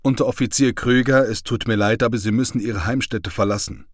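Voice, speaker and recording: A man's voice: medium pitch, steady tone, a little fast, no room sound, clean studio sound, close to an everyday voice. A man voicing a firm young lieutenant. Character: young male lieutenant, polite but firm.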